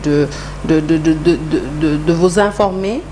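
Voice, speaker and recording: A woman hosting a studio news interview, phrasing her questions in a halting, repetitive way. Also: low-pitched, warm tone, slight background noise. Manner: hesitant, halting phrasing with repeated words. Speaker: TV news host interviewing a guest.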